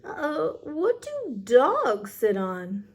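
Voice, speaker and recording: A woman voicing a curious frog in a picture book read-aloud, with drawn-out, expressive questions. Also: high voice, pitched above the performer's own voice, full character voice.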